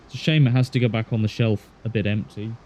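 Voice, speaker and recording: A man's voice: lowish voice, fairly even intonation, fast talker, darkish tone, a little hiss or hum. A man from Galway with a west of Ireland accent, chatting casually and commentating on his game as a livestreamer, musing aloud in an easygoing, wry way. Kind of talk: casual chat and gameplay commentary.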